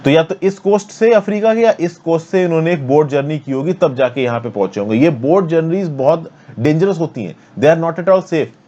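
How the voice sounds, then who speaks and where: A man's voice: on the high side, darkish tone, highs cut off. A man from India teaching an exam-prep lesson on current affairs in casual Hindi mixed with English terms, checking in with his students often. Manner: explains with map, frequent "thik hai na". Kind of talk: exam-prep editorial explainer.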